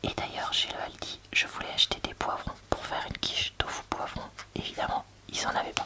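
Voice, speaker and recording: A woman's whisper moves at a fairly quick pace through noticeable background noise. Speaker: ASMR youtuber. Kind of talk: casual vlog chat. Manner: hesitant, many fillers.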